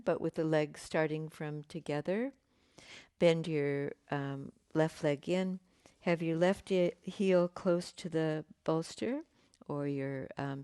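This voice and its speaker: A woman teaching a yoga class, giving gentle, unhurried cues with pauses and fillers, her voice slightly croaky. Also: low-pitched, dry recording, studio quality. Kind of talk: guided yoga class instruction.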